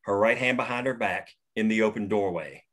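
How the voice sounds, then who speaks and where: A man reading screenplay stage directions at a table read in a steady, matter-of-fact way. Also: lowish voice, fairly quick. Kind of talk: reading screenplay action lines.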